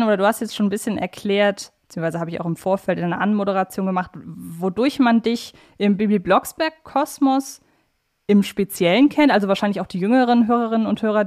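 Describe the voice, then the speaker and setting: A woman's voice: medium pitch, darkish tone. A woman hosting a conversational interview, building long, circling questions in a casual way. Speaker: podcast host, interviewer.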